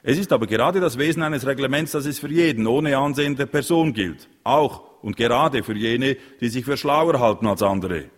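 A man's voice: mid-range voice, moderate pace, few pauses, big-room sound, pitched above the performer's own voice, lightly acted. A man reading an audiobook voices an ailing, stern father who wheezes and coughs as he lectures. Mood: lecturing. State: out of breath.

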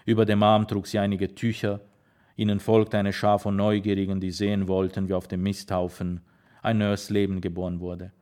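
A man narrating an audiobook in a measured storytelling manner. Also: lowish voice, flat delivery, a little mellow.

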